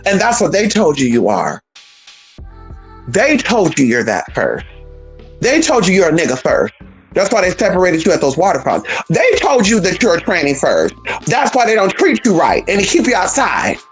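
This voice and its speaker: A trans woman vlogging a blunt, profane, sassy rant in an emphatic, animated way. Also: on the low side, moderate pace, soft background music. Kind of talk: casual vlog rant.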